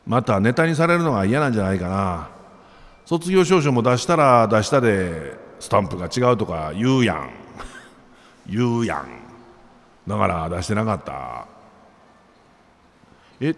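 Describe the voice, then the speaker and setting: A man's voice: fairly low pitch, big pitch swings, normal speed. A man with a Kansai accent giving a chatty newspaper commentary, full of jokey asides.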